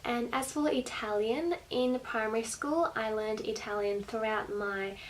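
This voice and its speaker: A woman's voice: on the high side, fairly even intonation, unhurried, low-quality recording. A young woman with an Australian accent, explaining things casually to camera as a vlogger in a bedroom. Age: late teens to young adult. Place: small bedroom indoors. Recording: faint background room noise.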